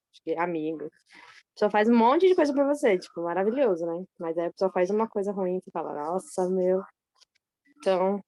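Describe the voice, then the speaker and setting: A woman's voice: mid-range voice, darkish tone, no echo. A woman sharing a personal testimony in a study group over a video call, talking hesitantly and often correcting herself. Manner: hesitant, self-correcting, candid.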